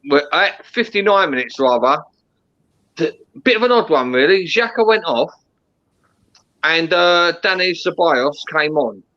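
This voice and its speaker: A man's voice: a little high, expressive, unhurried, bright, forceful tone. Sweary English man hosting, dull lo-fi sound. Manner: blunt, sweary. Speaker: host of a football fan reaction show. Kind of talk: casual post-match discussion.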